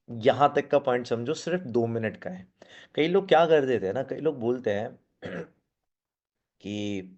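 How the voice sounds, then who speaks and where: A man of ordinary middle pitch coaches a room of team members, speaking straight to them. He keeps checking whether they follow and slips English phrases into his talk. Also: darkish tone, lo-fi sound. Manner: coaching, checks in often with a quick question, mixes in English phrases. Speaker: network marketing team trainer. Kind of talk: live training talk to a seated team. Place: meeting room with team present.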